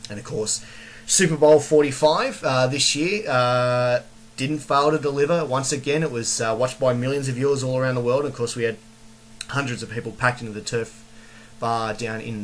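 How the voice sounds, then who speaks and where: With an Australian accent, a man talks at a fairly quick pace with ordinary pitch variation over noticeable background noise. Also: medium pitch for a man. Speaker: vlogger. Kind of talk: casual monologue. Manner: hesitant, many fillers.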